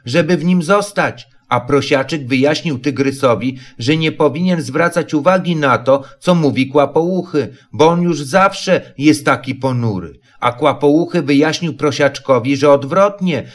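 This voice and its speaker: A man narrating a children's storybook in a calm, measured way. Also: a little high. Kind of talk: storybook reading.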